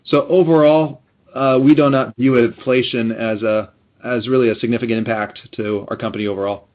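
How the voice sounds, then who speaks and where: A man speaking as a company executive, giving measured, businesslike answers on a muffled conference line. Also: mid-range voice, steady tone. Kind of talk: unscripted answers on an earnings call.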